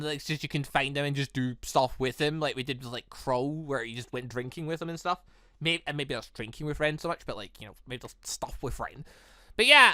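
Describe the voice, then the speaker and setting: An excitable gaming channel host rambles through casual let's play commentary, often breaking into laughter. His mid-range voice has a clean tone, captured dry on a close mic.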